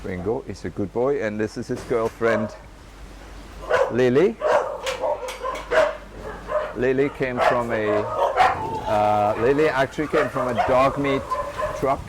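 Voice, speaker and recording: A man's voice: mid-range voice, slow, pauses often. A man guiding visitors around an animal rescue center, explaining hesitantly with many fillers. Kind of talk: walking tour explanation. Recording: noisy outdoor recording with barking dogs.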